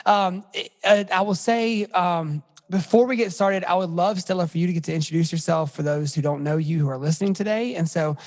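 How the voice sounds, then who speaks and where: A man with a slightly high voice hosts a podcast in a loose, rambling way, full of fillers and restarts. His voice carries a long reverb tail, as if the room were large and bare. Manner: friendly, rambling with many fillers. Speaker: podcast host. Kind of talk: casual podcast talk.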